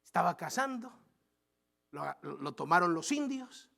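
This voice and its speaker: Male pastor delivering a sermon; shifts between hushed low asides and loud, high-pitched acted outbursts. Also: sing-song, measured pace, gravelly. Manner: repeats phrases for emphasis, with small restarts.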